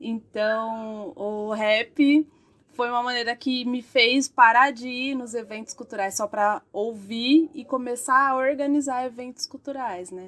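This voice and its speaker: Very slowly, a woman speaks with a high pitch, fairly even intonation and big swings in loudness. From São Paulo east side periphery (born in Pernambuco, moved at two). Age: 30s. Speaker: feminist activist and educator. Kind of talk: podcast interview monologue.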